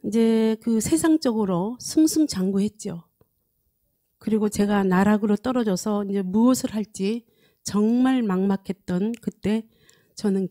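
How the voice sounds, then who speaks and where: A woman in her sixties from South Korea gives a personal testimony in an earnest, halting way, repeating phrases as she goes, speaking into a handheld microphone. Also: mid-range voice, dark tone. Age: 60s. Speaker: guest speaker, Christian advocacy group leader. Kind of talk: personal testimony at a prayer meeting. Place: indoor studio set, standing at a lectern. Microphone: handheld microphone close to mouth.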